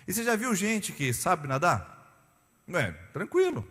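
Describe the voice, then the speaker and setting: A male pastor delivers a sermon with an animated, sing-song delivery, slipping into playful voices for the people in his examples. His voice sits a little high and swings widely in pitch. A long church reverb trails behind every phrase. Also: a little slow. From Brazil. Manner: animated, acts out voices of beachgoers.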